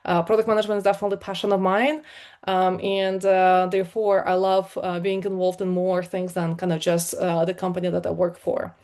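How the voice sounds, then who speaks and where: A middle-aged woman from Ukraine with a Ukrainian accent, giving a conversational conference talk as a product leader, with many fillers and an energetic delivery. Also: fairly low pitch, a little fast. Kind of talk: live talk to an online meetup.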